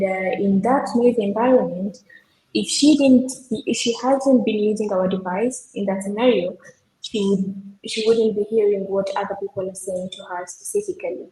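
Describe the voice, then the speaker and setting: A young woman from Kenya, a software developer, explaining her team's project in an earnest way with many fillers. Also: mid-range voice. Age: young adult. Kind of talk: technical project demo. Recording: echoey room with faint background noise.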